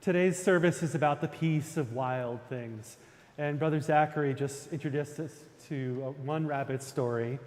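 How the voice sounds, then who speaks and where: Guy from jersey preaching a sermon, kinda high voice, chatty with uhs, big echoey church. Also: moderate pace, a little mellow. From New Jersey, USA. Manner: conversational, with fillers and restarts. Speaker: minister. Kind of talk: sermon with storytelling. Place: church sanctuary. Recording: long church reverb.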